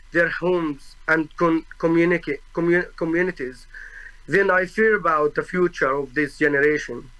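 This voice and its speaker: A young man from Gaza with an Arabic accent testifies before a tribunal in a slightly high, bright, forward voice. He speaks very slowly and solemnly, pausing to search for words and restarting his phrases. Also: rough recording. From Gaza, Palestine. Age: 20s. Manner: halting, searching for words, with frequent restarts and fillers; solemn and earnest. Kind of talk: formal personal testimony.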